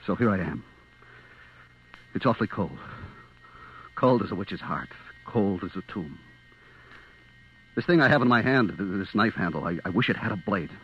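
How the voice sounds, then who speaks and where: An actor playing a desperate supermarket clerk trapped in the dark, confessing in halting, stammering old-time radio suspense style on a vintage recording. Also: male voice, lowish voice, lively intonation, dull audio, a little hiss or hum, lightly acted. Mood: despairing, rambling. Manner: breathless, halting, stammering narration with repetitions.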